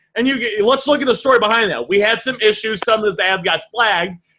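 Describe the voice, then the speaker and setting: A man talks fairly quickly in a raised, projected voice with a high pitch. His tone is bright and sharp, and his intonation is lively. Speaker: reselling business coach. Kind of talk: group video chat coaching. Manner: animated.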